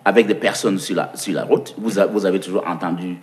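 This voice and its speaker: An interview guest from Cameroon answers questions at length in a low, steady, brisk voice with an English-speaking Cameroonian accent. He frequently repeats words while searching for the right one and questions himself aloud before giving his answer.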